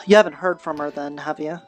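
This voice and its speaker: Lowish-voiced woman roleplaying, music behind. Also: fairly even intonation, normal speed. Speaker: streamer and roleplay player. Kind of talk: improvised in-character fantasy roleplay chat. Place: online virtual reality session.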